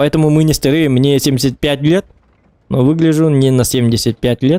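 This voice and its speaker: Dry and close with no echo, the voice has a dark, mellow tone, very even loudness and a strong Yakutian accent. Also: man, fairly high pitch for a man, moderate pace. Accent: strong Yakut. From Yakutia, Russia. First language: Yakut (speaking Russian). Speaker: gaming streamer. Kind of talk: live gameplay stream chat. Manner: animated.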